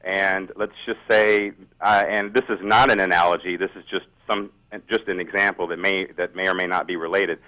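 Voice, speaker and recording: A man's voice: low voice, fairly even intonation, normal speed, sharp tone, low-quality recording. A man speaking as a radio show caller in an unscripted debate, hesitant and often repeating himself, as if on a phone-in.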